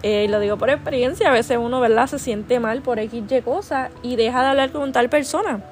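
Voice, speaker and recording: A woman's voice: on the high side, a little fast, darkish tone, a little hiss or hum. A woman hosting a podcast, giving a heartfelt devotional talk, earnest and affectionate, peppering her talk with "¿verdad?" and restarting phrases. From Puerto Rico. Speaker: podcast host sharing a devotional.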